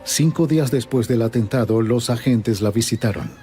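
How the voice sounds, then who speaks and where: A man narrating a true-crime documentary in a measured, even storytelling manner. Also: medium pitch, faint music behind.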